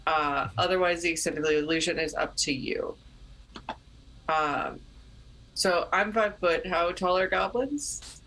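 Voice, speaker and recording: A woman with a slightly low voice takes part in a tabletop role-playing game. She talks casually, somewhat hesitantly, working things out as she goes. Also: unhurried, long pauses, fairly bright tone, a little hiss or hum, rough recording.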